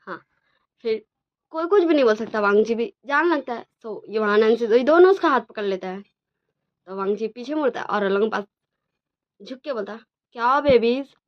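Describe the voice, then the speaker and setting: A woman's voice: fairly high pitch, expressive, a little fast, pauses often. A woman telling a story she wrote, in a chatty way, with frequent fillers and English words mixed in. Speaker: storyteller and channel author. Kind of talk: casual spoken story narration. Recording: dull lo-fi recording.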